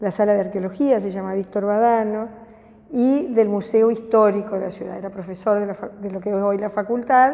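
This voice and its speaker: Over noticeable background noise, a woman talks at a fairly quick pace in a medium pitch, her intonation fairly even and her loudness swinging widely. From Argentina, Paraná (Entre Ríos). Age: 60s. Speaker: dictatorship survivor and former activist. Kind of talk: testimony. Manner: hesitant with filler words.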